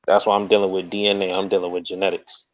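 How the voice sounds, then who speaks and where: A man's voice: sits low, little pitch movement, fast talker, dry recording. A man in an informal debate, talking insistently and often repeating phrases to hold the floor. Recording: dull, lo-fi audio.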